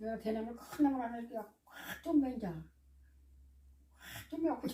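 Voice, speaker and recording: With a Jeolla accent, a woman speaks at a fairly slow pace in a fairly high pitch with a dark, mellow tone. Her pitch varies in an ordinary way, her loudness swings widely, and room echo is audible. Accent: Jeolla dialect Korean. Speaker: host's mother, rural villager. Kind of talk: casual family conversation.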